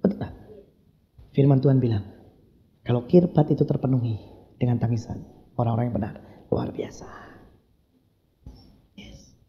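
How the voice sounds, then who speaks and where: A man preaching a sermon to a congregation, swinging from loud emphasis to hushed whispers and acting out his talks with God. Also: mid-range voice, moderate pace, pauses often, lo-fi sound. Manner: addresses congregation as "saudara", acts out dialogues with God. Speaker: pastor. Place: church hall.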